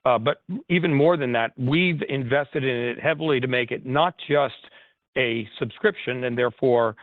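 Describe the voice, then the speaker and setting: Exec guy answering on a conference call, halting but emphatic, dry narrow phone audio. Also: mid-range voice, dry recording. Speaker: company chief executive.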